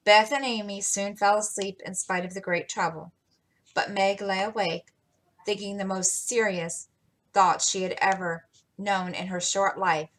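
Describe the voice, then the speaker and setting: A woman's voice: mid-range voice, fairly even intonation, unhurried, low-quality recording. A woman hosting a story time, reading a classic novel aloud steadily with a few small slips.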